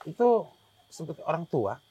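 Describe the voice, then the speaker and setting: A man's voice: a little high, sing-song, normal speed, dark tone, slightly rough, no room sound. A man telling a guest story in a rambling way, with many restarts and acted-out quotes. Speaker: hiker telling his experience as a guest. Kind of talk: casual storytelling interview.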